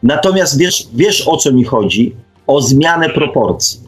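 A man's voice: mid-range voice, sing-song, a little slow. A man in a casual debate, speaking emphatically and often checking for agreement with short tag questions. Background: faint music.

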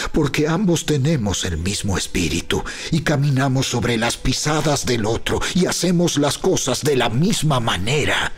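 A man playing an earnest, humble apostle in a dramatized scripture reading, with solemn, deliberate, booming biblical narration. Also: breathy edge, full character voice. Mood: earnest, insistent.

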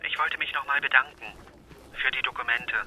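A man's voice: medium pitch, fairly even intonation, brisk, sharp tone. A man playing a casual, wry caller heard over the telephone in a crime audio drama. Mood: wry, grateful. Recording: phone call with background noise.

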